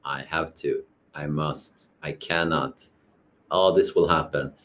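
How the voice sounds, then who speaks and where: Deep, low-pitched man from Sweden, calm and reflective co-host explaining things with everyday examples. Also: slow. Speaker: co-host of wellness masterclass. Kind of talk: explanatory casual talk.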